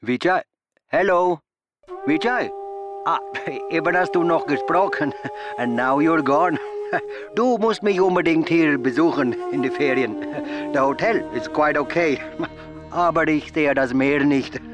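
A man's voice: fairly high pitch, a little slow, pauses often, lo-fi sound, music in the background, lightly acted. An actor playing an elderly father who mixes English and German and pleads in broken fragments to reach his son. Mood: pleading. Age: older. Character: elderly father pleading on the phone from a care home.

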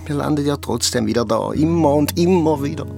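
A man's voice: on the high side, a little fast, creaky. An actor playing a lost young man who stammers and swings into panic. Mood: exhausted. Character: young man, lost, frantic then worn out. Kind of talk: audio drama acting. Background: music.

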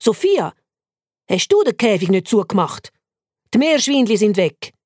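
A woman's voice: on the high side, normal speed, warm tone, no echo, clean studio sound, voice pushed up, natural voice. A woman with a Swiss German accent voicing a stern father who scolds firmly. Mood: scolding.

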